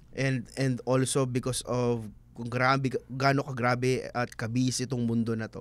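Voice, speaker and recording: The very clean recording with a silent background carries a monotone, flat intonation. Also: man, medium pitch for a man. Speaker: mentalist and spiritual reader. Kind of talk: casual chat.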